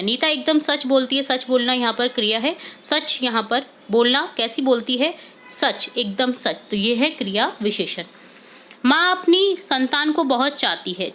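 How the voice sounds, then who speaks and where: Woman teacher, workbook lesson, step-by-step explanations, English words mixed in, slightly high voice. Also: pushed and bright.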